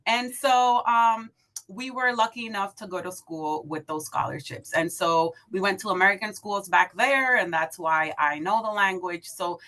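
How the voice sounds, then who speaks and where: A woman in her thirties from the Dominican Republic, a podcast guest telling her story casually, upbeat and quick to laugh. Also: medium pitch, sharp tone. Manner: upbeat, laughs easily, fillers like um and like.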